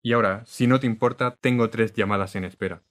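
A man's voice: fairly low pitch, fairly even intonation, fast talker, a bit bright, lightly acted. A man playing a male city hall clerk who banters and grumbles on the phone in a radio drama. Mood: bantering.

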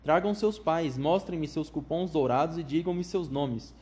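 A man plays an eccentric, excitable chocolate factory owner, gushing rapid strings of enthusiastic welcomes in a high, flute-like voice. The performance stays close to an everyday voice.

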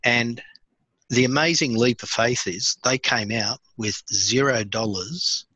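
An Australian man in his fifties tells his family's story at an easy pace, stopping often on fillers and restarts. His voice is bright and forward, recorded dry and close with no room sound around it. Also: medium pitch, slow, slightly rough, no room sound, low-quality recording. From born in India, raised in Sydney, Australia. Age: 50s. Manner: relaxed, many fillers and restarts. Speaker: podcast guest. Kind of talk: conversational storytelling.

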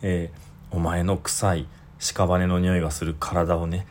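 A Buddhist priest giving a dharma talk, explaining patiently with frequent soft fillers as he goes. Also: low-pitched, little pitch movement, slow pace, a little hiss or hum.

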